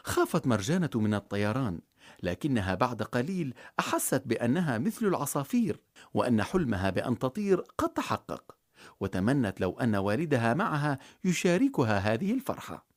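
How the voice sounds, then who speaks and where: A storyteller with a mid-range voice, speaking a little fast, narrates a children's storybook expressively and dramatically.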